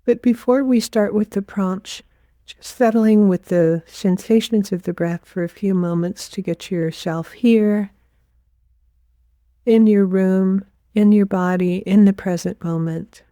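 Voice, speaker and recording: A woman leading a guided meditation as a teacher, giving gentle, unhurried instructions with pauses. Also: mid-range voice, fairly even intonation, no echo, clean studio sound.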